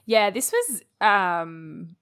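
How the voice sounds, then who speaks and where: A woman's voice: medium pitch, lively intonation, extremely slow, fairly bright tone, smooth. A woman co-hosting a podcast, chatting casually about an anime and laughing often. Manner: giggly, enthusiastic. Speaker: podcast co-host. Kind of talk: casual chat recapping an anime.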